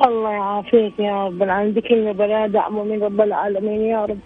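A woman's voice: medium pitch, level tone, rapid-fire, breathy edge. A woman in her sixties calling in to a radio show, tired, repeating prayers and blessings. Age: 60s. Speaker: caller. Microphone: phone line. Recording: tinny phone line, faint music.

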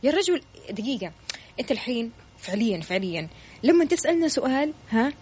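A woman's voice: fairly high pitch, sing-song, a little mellow, husky. A woman co-hosting a radio show, arguing playfully and laughing. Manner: argumentative, laughing, very fast.

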